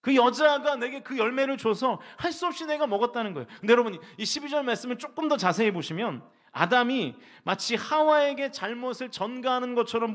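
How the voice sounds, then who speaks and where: A man's voice: very high voice, fairly bright tone. A middle-aged male pastor giving a sermon in a church, asking the congregation rhetorical questions and voicing people's complaints to God. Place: church sanctuary.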